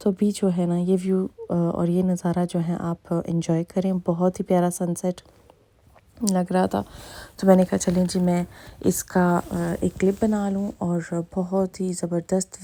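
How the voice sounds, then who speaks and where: In a dark, mellow tone, a woman speaks at a fairly low pitch with monotone, flat intonation. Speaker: single mom vlogger. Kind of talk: vlog voice-over. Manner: casual with many fillers.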